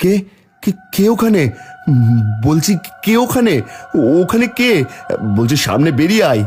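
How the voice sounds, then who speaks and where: Putting on a shaky character voice, a man speaks at a high pitch with very wide pitch swings and a fairly slow pace as faint music plays in the background. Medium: cartoon. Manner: stammering, shaky.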